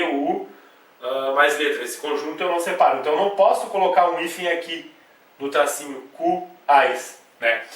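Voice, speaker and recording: A male Brazilian grammar teacher giving a video lesson, explaining step by step, spelling sounds out slowly and often checking in with the class. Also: fairly high pitch, fairly bright tone. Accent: Brazilian Portuguese. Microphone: camcorder mic away from the speaker. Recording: echoey room, voice from a distance.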